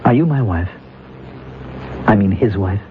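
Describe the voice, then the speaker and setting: A man's voice: on the low side, lively intonation, unhurried. An actor playing a bewildered, earnest Native American man from centuries ago, insisting on who he is, in an old radio drama. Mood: earnest, troubled. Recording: muffled, noisy old radio broadcast, phone-like.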